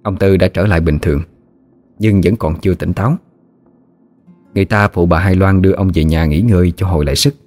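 A man narrating a ghost story in a steady, unhurried way. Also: low-pitched, soft background music.

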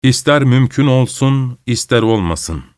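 A man's voice: mid-range voice, animated, measured pace, clear, resonant tone, no echo, studio quality, natural voice. A man voicing a sly angel of evil who answers in a curt, matter-of-fact way. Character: sly four-winged angel of evil, blunt and unbothered.

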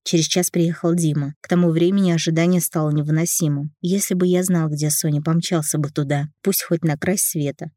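A woman reads a novel aloud in an even, steady storytelling manner. Her voice sits on the low side. The recording is close and dry. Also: brisk, few pauses, dry recording. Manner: even storytelling, voicing a first-person male narrator. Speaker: audiobook reader. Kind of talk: scripted narration of a novel.

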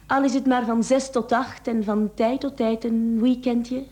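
An actress with a Flemish accent playing a young mistress in a radio play, teasing, coaxing and calculating. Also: female voice, fairly high pitch, steady tone, a little slow, darkish tone, natural voice. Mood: coaxing, determined. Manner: coquettish, teasing.

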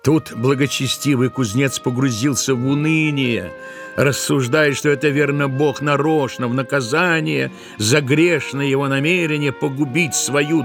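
A man narrating a literary tale for an audio play, expressively, with drawn-out emphatic words. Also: mid-range voice.

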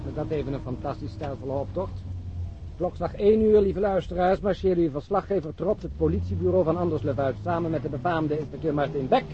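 A man's voice: fairly high pitch, brisk, close to an everyday voice. An actor playing a catty, gushing male radio reporter who addresses listeners in an arch, confidential way in a radio drama. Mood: gushing, excited. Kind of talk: radio drama parody of live outside-broadcast commentary. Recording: dull, noisy old radio drama recording.

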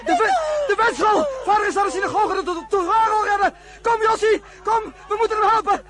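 A man playing a defiant, idealistic young Jewish son in a radio drama, argumentative, with a husky voice. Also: extremely high pitch, lively intonation, fairly quick, a bit bright. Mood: panicked. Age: young adult.

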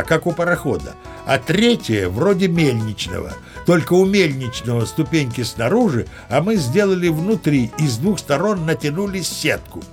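A boastful old sea captain telling a tall tale. His voice sits fairly high and bounces with lively, animated intonation as he spins his story. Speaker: narrator. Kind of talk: audio play narration.

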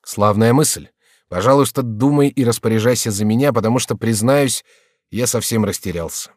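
A man's voice: medium pitch, darkish tone, no room sound, clean studio sound, close to an everyday voice. A man voicing a wry young nobleman. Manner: wry, brisk, sardonic. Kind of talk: audiobook reading.

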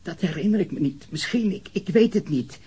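Haunted murder suspect in a radio play, raspy breathy voice, swings up and down, obsessive and halting. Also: male voice, sits high, expressive, mellow, heavily acted. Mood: drained, evasive. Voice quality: husky, breathy, gravelly. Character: disturbed, self-righteous male murder suspect, loathing and haunted. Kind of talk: Dutch radio crime drama acting.

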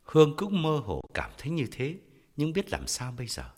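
Very animated male storyteller. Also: a little high, normal speed. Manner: expressive, voices angry characters loudly. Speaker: audiobook narrator. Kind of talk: dramatic story reading. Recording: long hall reverb with faint music.

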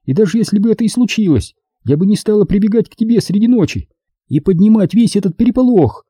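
A man's voice: high voice, lively intonation, fast talker, mellow, slightly rough, no room sound, studio quality, voice pushed up. A man reading an audiobook, voicing a tipsy young woman who rambles indignantly through her points. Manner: drunken rambling, counting points.

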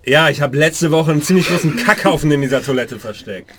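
A man playing a gruff, irritable ex-soldier convict in his forties who talks curtly and sarcastically while roleplaying. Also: on the high side, a little fast, over music, close to an everyday voice. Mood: sarcastic. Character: gruff 45-year-old male ex-soldier convict. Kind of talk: in-character roleplay.

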